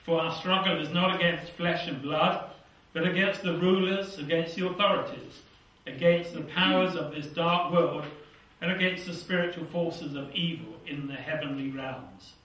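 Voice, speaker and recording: A man's voice: fairly high pitch, normal speed, hardly any pauses. An older man with a British accent preaching a fervent sermon and reading scripture in a small church hall. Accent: British English. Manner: earnest, fervent, drops voice to a hush at phrase ends. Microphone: lapel mic. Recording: echoey hall, somewhat far from mic.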